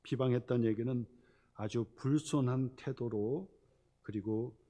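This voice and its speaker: A man's voice: mid-range voice, unhurried, warm tone. A male pastor preaching a Sunday sermon. He keeps repeating phrases for emphasis and asks the congregation rhetorical questions.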